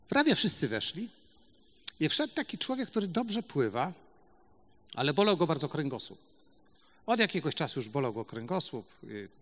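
A middle-aged man telling a testimony in a sermon, swinging from loud emphatic bursts to quiet asides. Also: medium pitch. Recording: long hall reverb.

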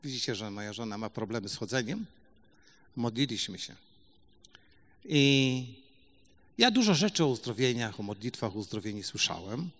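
A middle-aged man telling a testimony in a sermon, swinging from loud emphatic bursts to quiet asides. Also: mid-range voice, expressive, moderate pace, long pauses. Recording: long hall reverb.

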